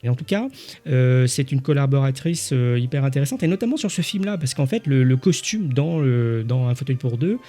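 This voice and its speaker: A man's voice: medium pitch, lively intonation, fairly quick, dark tone. A man co-hosting a film podcast, talking through film craft with lots of hesitations. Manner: hesitant, lots of "euh" and "en fait". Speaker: podcast co-host. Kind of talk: film review discussion.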